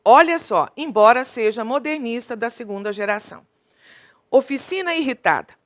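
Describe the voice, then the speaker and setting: A woman's voice: fairly high pitch, lively intonation. A woman from Brazil teaching an exam-prep literature class, reading a sonnet aloud and counting its syllables for the students. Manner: slow and deliberate, counts syllables aloud, asks the class questions.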